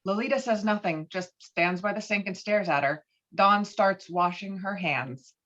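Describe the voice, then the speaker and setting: A woman's voice: mid-range voice, moderate pace, fairly bright tone. A woman reading scripted stage directions and scene headings for a table read over a video call. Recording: dull, lo-fi online call audio.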